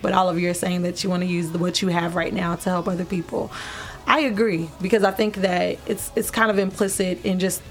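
A woman's voice: lowish voice, flat delivery, brisk. A woman hosting a Christian radio talk show, upbeat and affirming as she guides a roundtable. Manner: upbeat, affirming, laughs often.

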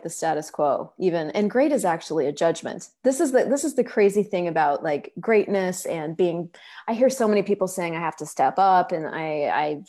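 Scattered, low-voiced woman host on a call. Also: darkish tone. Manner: scattered, self-interrupting, swears casually. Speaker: podcast host and facilitator. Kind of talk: casual video-call chat. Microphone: video call.

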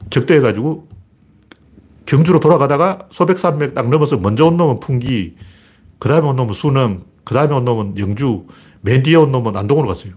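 A man with a slightly husky, mid-pitched voice holds forth in a loose political monologue. He talks bluntly and emphatically, repeats phrases for effect, and his pitch rises and falls in lively swings. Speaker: political commentator.

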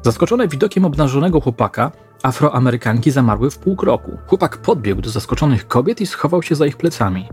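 A man narrating a scripted crime story in a slow, measured way. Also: mid-range voice, animated, darkish tone, breathy edge, faint music behind.

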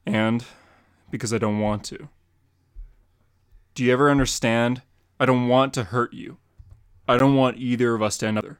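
A man voicing a grim, determined male masked vigilante in a dramatic comic reading, earnest and measured. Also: medium pitch, clear, resonant tone, dry recording, clean studio sound, natural voice.

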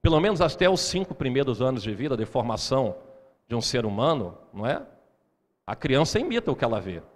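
Animated preacher in a reverberant hall. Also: male voice, mid-range voice, fairly quick. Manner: animated, asks the congregation questions. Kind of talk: sermon.

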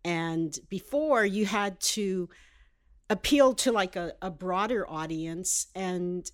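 An older American woman, a television writer, speaking as a guest in a casual interview, measured and reflective. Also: on the low side. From United States. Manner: measured, reflective, thinks aloud.

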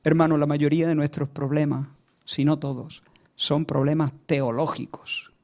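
A high-pitched male preacher delivers a dramatic sermon. He repeats words for emphasis and swings between near-whispers and ringing declarations. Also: little pitch movement, moderate pace, darkish tone.

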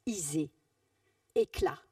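A woman reading a first-person novel aloud at a live event, intimate and expressive, her delivery drifting between a hushed whisper and a raised voice. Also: low voice, slow, no room sound, clean studio sound, far from the mic. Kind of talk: literary reading.

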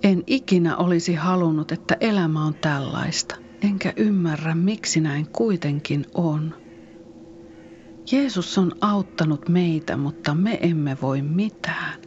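A woman's voice: sits low, darkish tone, dull audio, a little hiss or hum, close to an everyday voice. A woman playing a sorrowful follower of Jesus, consoling and often whispering.

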